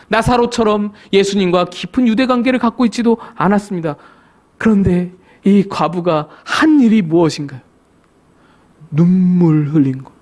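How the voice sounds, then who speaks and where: A man with a notably high voice preaches from a church sanctuary. He builds emphasis through short repeated phrases and asks the congregation rhetorical questions as the sermon unfolds. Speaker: pastor.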